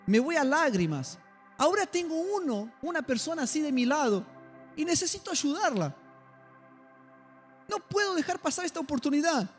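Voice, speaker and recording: A male pastor tells a story in a sermon. His voice sits very high, and he acts out each person's lines with strong feeling. Faint music plays under his words. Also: very animated, moderate pace, long pauses. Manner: emotional storytelling, acts out dialogue. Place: church.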